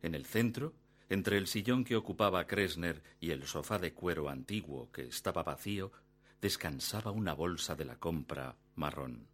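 Defiant ex-con narrator, low voice, varied intonation, terse, stoic, guarded, radio play style. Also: male voice, animated, moderate pace, fairly bright tone. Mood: tense narration. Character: guarded, defiant male ex-convict lover, narrating his story.

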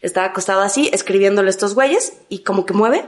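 A young Mexican woman telling a story in casual chat, animated, often breaking into laughing shrieks. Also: mid-range voice, fast talker, roomy sound. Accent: Mexican Spanish. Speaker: podcast co-host.

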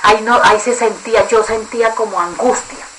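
A woman from Colombia with a Colombian accent, recounting a dream in a halting way, with many restarts and pauses to search for words. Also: fairly high pitch, a loud crowd, poor audio. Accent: Colombian Spanish. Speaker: interviewee giving a testimony.

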